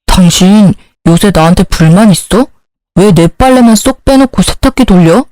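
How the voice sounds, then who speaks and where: A woman's voice: medium pitch, expressive, moderate pace, dark tone, no room sound, natural voice. A woman voicing a selfish young husband in a read-aloud story, arguing in an indignant, dismissive way. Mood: resentful. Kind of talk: storybook dialogue reading.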